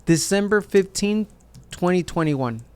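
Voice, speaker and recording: A man's voice: high voice, lively intonation, unhurried, darkish tone, clear, resonant tone. A man voicing a citizenship applicant who gives short, plain, careful answers to an officer in a scripted practice dialogue.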